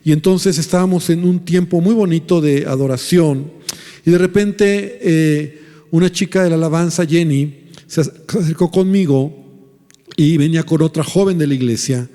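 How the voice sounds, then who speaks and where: A man's voice: on the high side, dark tone. Male pastor preaching in a reverberant hall. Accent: Mexican Spanish. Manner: storytelling, recounting dialogue with pauses and restarts. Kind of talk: sermon.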